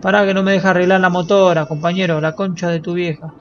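A man's voice: sits high, level tone, fast, muffled recording, slight background noise. A young man with an Argentine accent, streaming a game and joking with crude slang. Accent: Rioplatense Spanish. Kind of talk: casual gameplay commentary.

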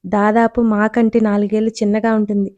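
A woman voicing an irritable young man who scolds his friends in a quick, sharp way. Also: mid-range voice, flat delivery, no room sound, dull audio, lightly acted. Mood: scolding.

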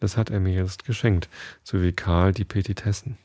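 A man hosting a sleep podcast, reading a bedtime story aloud in a calm way and now and then restarting a sentence after a slip. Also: sits low, moderate pace, no room sound, clean studio sound. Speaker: podcast host.

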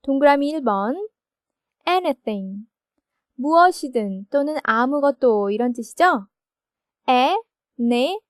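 A woman teaching English grammar in a recorded textbook lesson, explaining slowly and checking each point with her listeners. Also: high-pitched, lively intonation, dry recording, studio quality. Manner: slow, explanatory, asks confirming questions.

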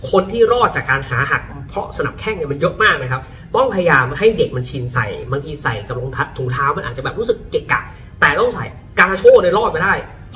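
Guy doing footy talk, high-ish voice, super lively, bit far from the mic. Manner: lively, animated, exclaims often. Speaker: football pundit. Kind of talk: casual football commentary. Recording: voice a bit off-mic, faint music behind.

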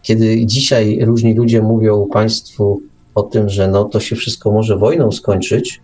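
A man's voice: on the low side, little pitch movement, a little slow, a little mellow, faint music behind. A man co-hosting a talk show, giving an opinionated, sarcastic monologue with emphatic rhetorical questions and repeated words. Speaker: radio show co-host and commentator.

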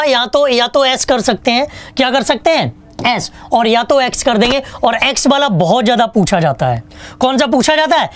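A man's voice: very high-pitched, a bit bright, dry recording. A man teaching an online exam-prep English lesson, chatty and joking, asking questions and answering them himself. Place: online class studio with a whiteboard.

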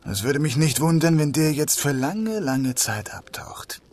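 A man's voice: a little high, animated, measured pace, a little mellow. A man playing a weary, dry, sceptical police detective inspector in a crime audio drama. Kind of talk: naturalistic radio play acting.

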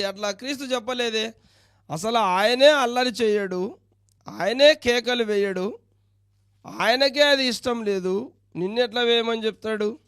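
A man's voice: high-pitched, a bit bright, smooth, dry recording, clean studio sound. A man preaching a sermon as pastor, pressing his listeners with pointed questions.

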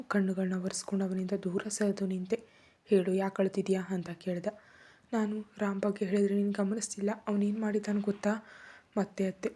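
A woman tells a first-person drama in a hushed, half-whispered way. Her voice is husky and mellow, and her pitch stays fairly flat even in tense moments. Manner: soft, often whispery. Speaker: storyteller. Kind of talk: first-person story narration.

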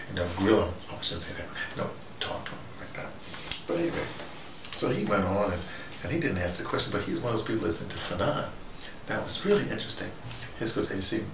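A low, gravelly man in his fifties talks in a digressive, animated way, his pitch swinging widely as he pushes a point. He is picked up from across a small, echoey room, with steady background noise. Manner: digressive, with sudden rising emphasis. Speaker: commentator speaking to a small audience. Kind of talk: rambling spoken lecture. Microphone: far camera mic. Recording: roomy, distant, noisy.

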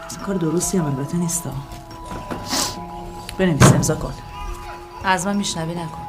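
A woman's voice: fairly low pitch, close to an everyday voice. Actress as curt, commanding woman giving orders, music under her. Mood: coaxing, curt. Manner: blunt, commanding. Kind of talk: film acting.

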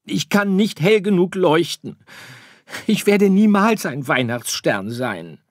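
Guy putting on a whiny little star kid, way up high, pouty, dry close sound. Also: very animated, takes it slowly, no room sound, exaggerated voice. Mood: tearful. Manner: pouting, complaining. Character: sulky little boy star, stubborn and whiny. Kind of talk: audiobook character voice.

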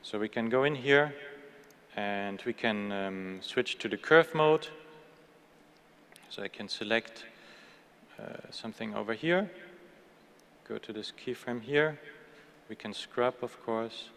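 A man in his thirties presenting a live software demo at a conference keynote, talking casually with many fillers and restarts from a podium mic. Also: fairly low pitch, slow, long pauses. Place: large conference hall stage. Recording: long hall reverb.

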